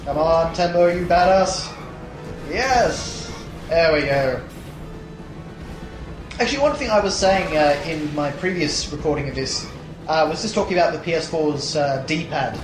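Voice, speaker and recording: A young man with a slightly high, tired and hoarse voice talks through his gameplay in a loose, rambling way, full of ums and restarts. His voice bounces around an echoey room, and loud game music plays underneath. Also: animated, unhurried. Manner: rambling, many fillers and restarts. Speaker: let's play host. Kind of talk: casual gameplay commentary.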